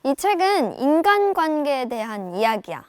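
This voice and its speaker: Speaking at a normal pace in a high-sitting voice, a young book reviewer and reading tutor shares her take on a novel. She addresses viewers in friendly, lively banmal with a playful edge, and the audio has no echo.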